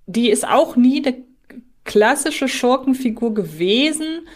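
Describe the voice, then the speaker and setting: A woman's voice: high-pitched, expressive, slow pace. Reflective woman co-hosting a podcast. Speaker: podcast co-host. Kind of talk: conversational fan discussion.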